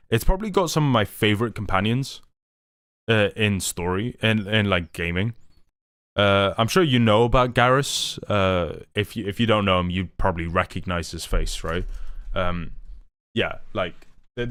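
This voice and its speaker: A young man talking casually on a live stream, eager and rambling, often restarting his sentences. His voice sits a little low, and the sound is dry and close with no room around it. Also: a bit bright, no room sound. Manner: rambling, enthusiastic, many restarts and fillers. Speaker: livestream host.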